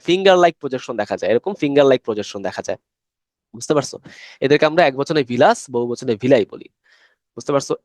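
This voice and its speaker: Young male biology tutor, fast and conversational, slightly high voice, dry close-mic sound, quizzes and answers himself. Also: no room sound. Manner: chatty, asks questions and answers them himself; mixes English terms into Bangla speech. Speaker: biology teacher. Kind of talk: recorded online lecture.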